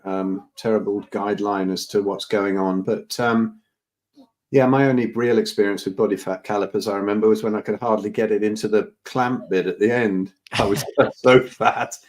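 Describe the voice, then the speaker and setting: Lively stammering man on a call. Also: on the low side. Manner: quick, lively, stammering restarts. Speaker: co-host on health Q&A. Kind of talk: live Q&A chat.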